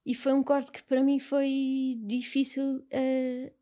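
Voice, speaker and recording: A young woman with a European Portuguese accent, speaking as an interview guest in a soft, halting, reflective way. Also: sits high, monotone. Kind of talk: personal conversation.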